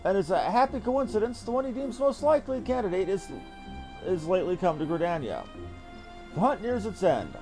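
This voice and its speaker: Man voicing a high-pitched, eloquent fantasy leader. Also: sing-song, music in the background, rough recording. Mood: composed, purposeful. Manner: formal, measured, eloquent. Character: composed, eloquent fantasy leader giving orders. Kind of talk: reading fantasy game dialogue aloud.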